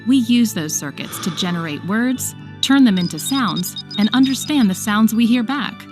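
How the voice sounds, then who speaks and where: Woman narrating over soft music. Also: on the high side, lively intonation, normal speed. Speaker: video narrator. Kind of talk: scripted educational narration. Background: soft background music.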